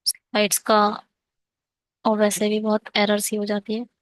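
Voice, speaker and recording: A woman's voice: mid-range voice, monotone, measured pace, no room sound, clean studio sound. A woman teaching an online exam-prep math lesson, working through a problem step by step and asking and answering her own questions.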